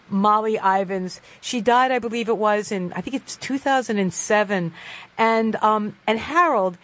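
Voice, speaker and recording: A woman radio host who reads a poem slowly and solemnly. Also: fairly high pitch. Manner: reads the poem slowly and solemnly, then talks emotionally and warmly to the guest. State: tearful. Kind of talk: radio talk show, poem reading then interview. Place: radio studio.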